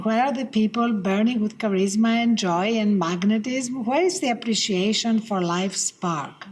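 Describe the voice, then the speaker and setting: A woman's voice: medium pitch, normal speed, slight background noise. A woman reading aloud from a motivational manifesto. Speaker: reader. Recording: faint background ambience.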